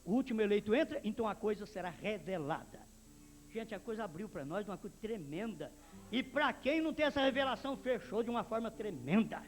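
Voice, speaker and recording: High-pitched fervent Brazilian pastor preaching. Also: male voice, animated, fairly quick, soft background music. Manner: reads passages aloud, then preaches with rising fervor and shouting. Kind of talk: sermon reading and preaching. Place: church.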